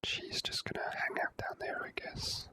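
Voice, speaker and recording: A person whispering relaxed, unhurried ASMR commentary while playing a video game.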